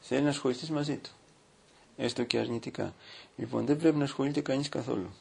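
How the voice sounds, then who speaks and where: A man preaching as a priest, reading from a book and stopping to comment, with slow, drawn-out emphasis. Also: medium pitch, fairly even intonation, creaky, darkish tone, husky. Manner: reads aloud from a book, breaking off to comment. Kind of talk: sermon.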